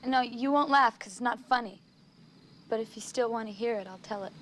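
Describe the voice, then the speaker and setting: An actress playing a cool young woman who tells a corny joke in a flat, deadpan way, from a film clip. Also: fairly high pitch, brisk, background noise, close to an everyday voice.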